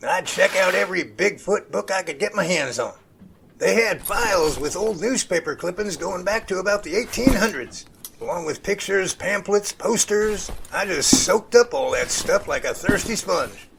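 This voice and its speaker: An actor playing an enthusiastic, bookish professor in an audio drama, eager and folksy. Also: male voice, high voice, expressive, moderate pace, vocal fry, noisy background. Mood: eager, nostalgic.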